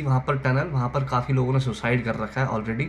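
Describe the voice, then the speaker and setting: Music in the background behind a man's fairly high voice, moderate pace, and ordinary pitch variation. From Haryana, India. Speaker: YouTuber, Indian living in Japan. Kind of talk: casual storytelling to camera.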